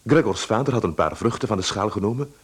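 A man's voice: lowish voice, animated, fast talker, husky. A man giving dramatic scripted narration for a radio play.

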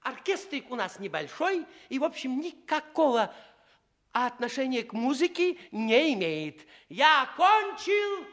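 Piercingly high, clownish master of ceremonies. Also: male voice, big pitch swings, exaggerated voice. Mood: grandiose. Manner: drawn-out declaiming with droll asides and sudden shouts. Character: high-voiced clownish old-comedy master of ceremonies, playful and mock-solemn. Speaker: presenter introducing the cast. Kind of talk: theatrical comic stage announcing. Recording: stage hall with long reverb.

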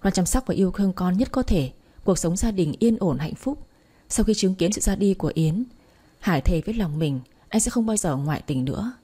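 A woman narrating a family drama story in a steady voice, hosting her own storytelling channel. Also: lowish voice, fairly quick, breathy edge.

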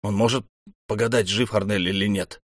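A man's voice: lowish voice, steady tone, fairly quick, dry recording, clean studio sound, natural voice. A man voicing a wary male leader who asks suspicious, clipped questions. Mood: dry. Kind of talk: audiobook character voice.

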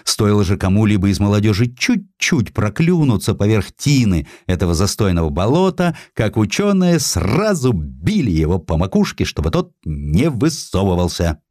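A man narrating a historical story in an expressive, theatrical, ironic storytelling style. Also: lowish voice, normal speed, few pauses, dry recording, studio quality. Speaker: audiobook narrator.

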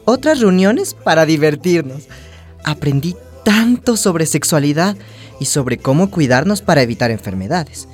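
A woman's voice: deep voice, big pitch swings, normal speed, darkish tone, breathy edge, full character voice. An actress playing a hopeful young trans woman from a small town, narrating her story earnestly in a radio drama. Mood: reflective, hopeful. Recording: music bed behind the voice.

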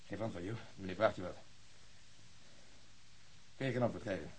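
An actor playing a gruff, sarcastic, domineering police detective in a radio drama, brusque and sardonic. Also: male voice, deep voice, normal speed, slight background noise, natural voice, poor audio. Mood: bullying, impatient. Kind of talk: Dutch radio drama dialogue.

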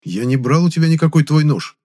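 A man's voice: a little high, lively intonation, brisk, warm tone, voice pushed up, lightly acted. A narrator voicing an indignant young man. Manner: indignant, sarcastic, protesting. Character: indignant young Soviet man, sharp-tongued.

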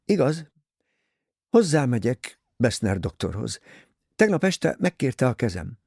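A man's voice: mid-range voice, big pitch swings, creaky, darkish tone, husky, no echo, clean studio sound, pitched above the performer's own voice, full character voice. A male reader voicing a self-willed young woman in an audiobook, answering in frank, matter-of-fact retorts. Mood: earnest.

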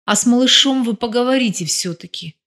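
A woman's voice: fairly high pitch, a little fast, a bit bright, pitched above the performer's own voice. Woman narrator voicing a surly grumbling bodyguard, audiobook, light touch. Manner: grumbling, teasing. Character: gruff grumbling male bodyguard.

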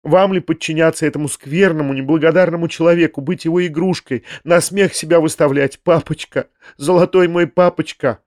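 A man voicing an impassioned, defiant young girl in a storybook reading, loud and vehement. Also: a little high, steady tone, no echo, studio quality, voice pushed up, close to an everyday voice. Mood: tearful pleading. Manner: loud, vehement, rapid insults.

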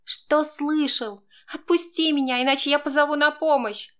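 A woman voicing a defiant, tearful young woman who shouts back in an audiobook. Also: fairly even intonation, normal speed. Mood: tearful shouting. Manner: shrill, shouting through tears. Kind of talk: audiobook character voice.

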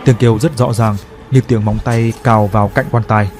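A man narrating a scripted horror story in a steady, dramatic storytelling manner. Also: on the low side, brisk, soft background music.

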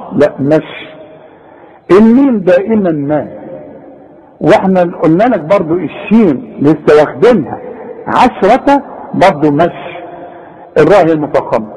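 A man with an Egyptian accent teaching Quran recitation, patiently correcting a student and demonstrating each sound slowly. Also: high voice, a little mellow, a little hiss or hum. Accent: Egyptian Arabic. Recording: long reverb, echoey room.

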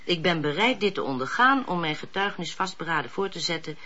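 An actress playing a brisk, opinionated woman in a Dutch radio drama. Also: lowish voice, animated, bright, forceful tone. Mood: reading aloud. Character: brisk, opinionated woman helper, pious letter-answerer. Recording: dull lo-fi radio play recording.

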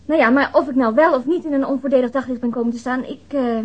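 High, husky, chatty young female witness. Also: fast. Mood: uneasy, defensive. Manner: informal, rambling. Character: casual, chatty young woman, a slightly uneasy witness. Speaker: actress. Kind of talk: radio drama acting. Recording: dull, band-limited audio.

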